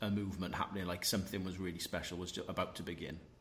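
This is a man speaking. His pitch is fairly low. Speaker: podcast host. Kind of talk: podcast interview.

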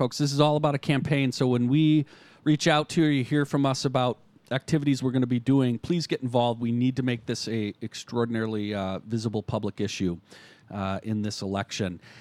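Heard dry and close with no echo, a plain, everyday voice moves at a fairly quick pace with ordinary pitch variation. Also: man. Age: 40s. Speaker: podcast host, advocacy group deputy director. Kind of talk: casual panel chat.

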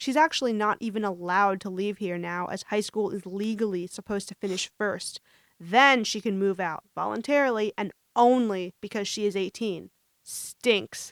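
This is an ordinary speaking voice with an American accent, ordinary pitch variation and a moderate pace. The sound is dry and close, with no echo. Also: woman, medium pitch for a woman. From New York City, Upper West Side Manhattan. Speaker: student author. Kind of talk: reading aloud own memoir.

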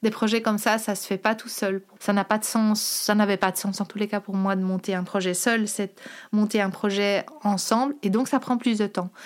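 A woman talks at a moderate pace in a medium-pitched, monotone voice with flat intonation. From Brussels, Belgium. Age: 60s. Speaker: founder of a community housing project, caregiver. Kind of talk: interview monologue.

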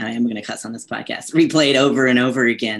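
An unremarkable speaking voice moves at a fairly quick pace with an American accent. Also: man. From US South, North Carolina. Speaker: pastor and podcast host. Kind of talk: casual Bible study discussion. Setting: video call.

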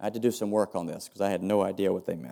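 A man with an American accent talks at a very fast pace. His tone is dark and mellow, with ordinary pitch variation. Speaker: pastor. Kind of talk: sermon. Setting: church.

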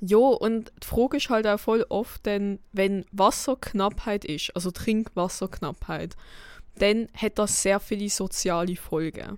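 The background is silent in this very clean recording, where a woman talks at a very slow pace. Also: medium pitch for a woman, ordinary pitch variation. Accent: Basel. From Basel, Switzerland. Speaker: podcast co-host. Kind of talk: casual chat.

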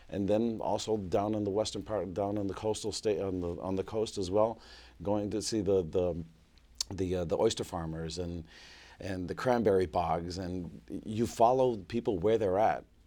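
This is a normal speaking voice at a moderate pace. The intonation stays fairly even. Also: man, fairly low pitch for a man. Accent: American. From Boston, Massachusetts (Mission Hill). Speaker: former state legislator. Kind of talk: interview. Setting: studio with audience.

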